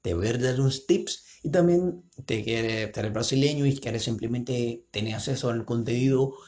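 A man's voice: mid-range voice, moderate pace, a little mellow. Brazilian guy in his 20s doing a chatty solo podcast, jokey and all over the place. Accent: Brazilian Portuguese speaker, mixing in an Argentine lilt. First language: Portuguese. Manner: rambling, playful, self-mocking, switches into put-on voices. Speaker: podcast host. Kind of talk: casual solo podcast talk.

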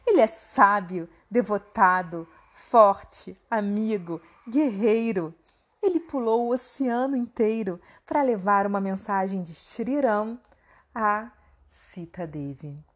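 A woman's voice: mid-range voice, takes it slowly, voice pushed down. A woman voicing Bima, a proud and mighty male warrior who speaks with emphatic indignation. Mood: fervent.

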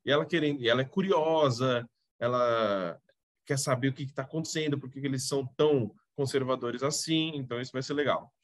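This is a podcast co-host with a Brazilian Portuguese accent, casually discussing a TV episode and coughing from time to time. He has a medium-pitched voice and speaks a little fast, with no room sound.

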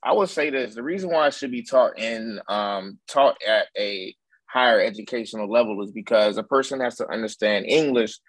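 A man's voice: on the low side, normal speed, no echo, poor audio. African American man explaining, dry recording. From United States. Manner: explanatory, peppers talk with "you know what I mean". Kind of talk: casual explanatory discussion.

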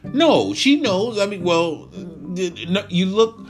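Brief: campy, blunt gay friend, high lilt, read by a man with a low voice, soft guitar under it. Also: lively intonation, normal speed. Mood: scolding. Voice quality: high camp lilt, calls people sweetie. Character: flamboyant gay male friend, teasing and blunt.

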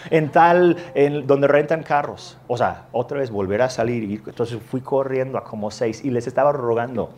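Male preacher, mid-range voice, animated storyteller who acts out the people in his story, faint room hum behind. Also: medium pitch, moderate pace. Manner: animated, self-mocking anecdote with lively voiced quotes. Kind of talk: storytelling sermon.

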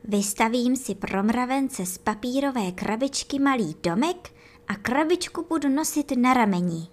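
A woman voicing an eager, dreamy young schoolboy in a children's story, chattering with excitement. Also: fairly high pitch, lightly acted.

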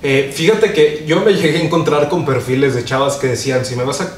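A man's voice: medium pitch, a little fast. A young man with a Mexican accent, co-hosting and confidently giving advice in slangy casual chat. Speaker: co-host. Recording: roomy, distant mic, faint noise.

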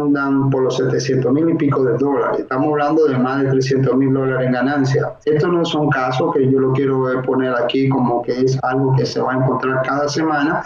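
A man from the Dominican Republic, a mortgage broker and investor, explaining slowly in an interview with many filler sounds. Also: medium pitch, a little mellow. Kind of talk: interview answers. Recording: roomy, dull lo-fi sound.

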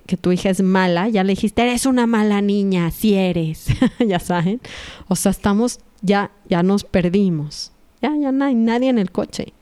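A woman in her thirties with a Mexican accent, telling a spiritual story to her audience in a casual, animated, confiding way. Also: medium pitch, clear, resonant tone. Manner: animated, confiding, often asks "right?".

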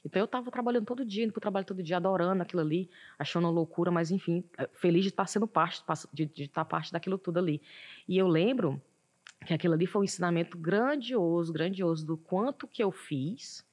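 A woman, a guest in an interview, telling her story in a reflective, animated way. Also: lowish voice, fast talker. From Northeast Brazil. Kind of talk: casual interview talk.

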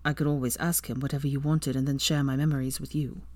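A woman voicing a young adult male wizard who is protective and possessive, speaking low and hushed. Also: level tone, fast, dry recording. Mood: brooding.

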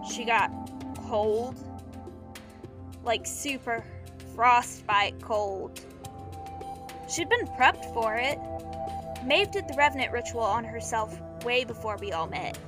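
A woman acting a guilt-ridden, blunt young runaway with powers in a naturalistic audio drama, talking in a halting, slangy, confessional way. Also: on the high side, lively intonation. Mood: remorseful. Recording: music behind the dialogue. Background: music.

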